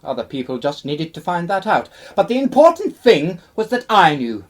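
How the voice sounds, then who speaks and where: A woman's voice: fairly low pitch, sing-song, normal speed. A woman playing a vain, easily offended male actor in his twenties, grandiose and melodramatic, in a radio play. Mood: grandiose, sorrowful. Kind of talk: theatrical radio play acting.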